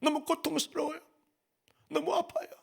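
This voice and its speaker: A man voicing Job, a suffering man pleading loudly with God. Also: very high voice, flat delivery, normal speed, gravelly, voice pushed up, full character voice. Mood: anguished.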